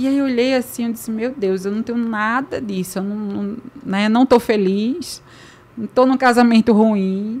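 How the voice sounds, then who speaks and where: Somewhat breathy, a woman with a northeastern Brazilian accent speaks at a fairly slow pace. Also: fairly high pitch for a woman, fairly even intonation. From Northeast Brazil, Recife, Pernambuco. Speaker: people and business strategist, speaker. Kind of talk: interview.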